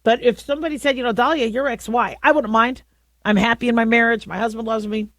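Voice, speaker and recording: Woman, deep voice, talk radio host, middle-aged, dry studio sound, stop-and-start delivery. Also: fairly even intonation, fairly bright tone, no echo. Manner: conversational, halting with many restarts. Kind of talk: opinionated talk radio monologue.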